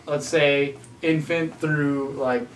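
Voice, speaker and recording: A man's voice: fairly high pitch, steady tone, takes it slowly, slight background noise. A man in his twenties co-hosting a casual podcast, rambling and filling his talk with "like". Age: 20s. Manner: rambling, heavy use of "like". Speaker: podcast co-host. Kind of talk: casual chat among friends. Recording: roomy sound from a distance.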